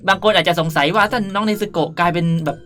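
A woman's voice: on the low side, fast, fairly bright tone. A woman hosting a casual game tutorial, chatty and playful while staying polite to viewers. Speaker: gaming video host.

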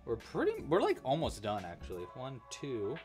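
A man's voice: medium pitch, wildly swooping pitch, normal speed, a little mellow, faint music behind. A young man hosting a casual livestream crochet tutorial from a home studio. He chats with viewers, thanks donors and counts his stitches aloud as he works.

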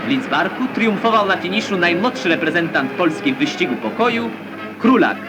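A man's voice: high-pitched, big pitch swings, a little fast, rough recording. A man giving declamatory, scripted sports narration as an old 1950s newsreel voice-over. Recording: voice-over over loud music.

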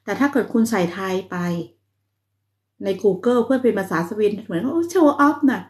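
A middle-aged woman from Thailand hosting a late-night live chat at home, reading viewer comments in a soft, teasing, chatty way and sometimes whispering. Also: medium pitch, normal speed. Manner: speaks softly, sometimes whispering.

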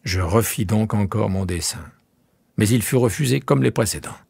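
A man narrating a classic tale in an audiobook, husky and intimate, with unhurried storytelling and hushed asides. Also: fairly low pitch, dry recording. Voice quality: husky, gravelly.

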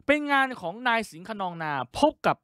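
Male stand-up comic, crude and profane, very animated delivery. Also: high voice, brisk, clean tone, no echo, clean studio sound. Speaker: stand-up comedian. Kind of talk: stand-up storytelling.

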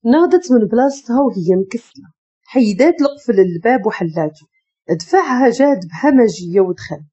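A woman with a Moroccan accent tells a story in an expressive, dramatic way. Her voice is husky and mellow, and it stays fairly high with a lively rise and fall. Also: fairly quick, highs cut off. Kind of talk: scripted story narration.

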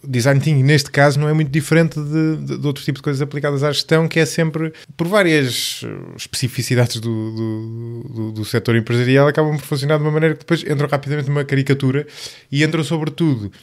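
A man's voice: mid-range voice, steady tone. A man with a European Portuguese accent hosting an interview podcast, musing aloud and checking in with his guest. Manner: quick, musing, tags remarks with questions. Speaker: podcast host. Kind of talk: conversational interview.

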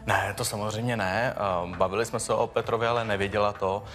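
A man's voice: fairly low pitch, fairly even intonation, fairly bright tone, long reverb tail, faint music behind, lightly acted. An actor playing a brash, crude male hairdresser testifying as a witness in a TV courtroom show. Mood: cocky. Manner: crude, cocky, laughs at his own remarks.

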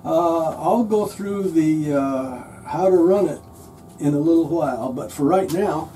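An older man in his sixties hosts a relaxed cooking demo in a motor home kitchen, cracking jokes between steps. His voice is dark and mellow, caught by a camera mic across the small room with a faint hiss behind it. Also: a little high, measured pace, rough recording. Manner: joking, chatty, reads out a manual. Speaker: channel host. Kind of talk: casual cooking demo chat.

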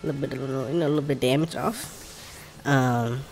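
Man, African American accent, casual gameplay commentary, informal thinking-aloud muttering, medium pitch, music behind. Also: fairly quick, vocal fry. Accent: African American English. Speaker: streamer playing a video game. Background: game music.

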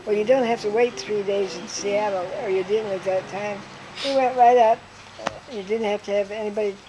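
An older woman recounting memories from her life in an interview, telling stories lively and acting out what people said. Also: mid-range voice, moderate pace, background noise. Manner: lively storyteller who acts out quotes with laughs.

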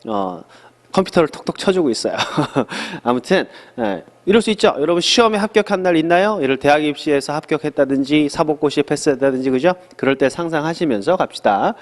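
A middle-aged man teaching an English lesson in a studio, lively and chatty, asking questions and answering them himself. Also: a little high, brisk, big-room sound. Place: small studio.

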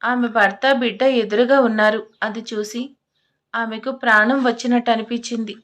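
A woman's voice: a little high, fairly even intonation, normal speed, a bit bright. A woman narrating a romantic audio story in an emotive, scripted storytelling manner.

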